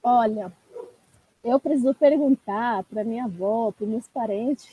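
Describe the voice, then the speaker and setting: A woman's voice: on the high side, a little slow, slightly rough, no room sound, narrow, tinny audio. A woman, a language teacher, chatting casually on a live stream, laughing often and talking to the viewers. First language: Italian.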